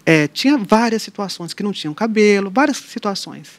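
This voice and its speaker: A woman's voice: mid-range voice, brisk. A middle-aged woman, a guest on an interview show, telling a personal faith story and acting out the voices of the people in it. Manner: lively storyteller who acts out quoted dialogue. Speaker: interview guest, mother of an atypical child. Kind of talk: personal faith testimony in conversation.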